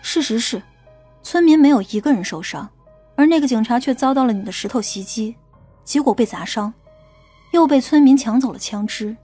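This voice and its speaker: Woman as a stern, high-voiced female police captain. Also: expressive, normal speed, warm tone, slightly rough. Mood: stern, official. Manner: cold, accusing, scornful. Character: stern, sharp-tongued female police captain interrogating a suspect. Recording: faint music bed under the voice.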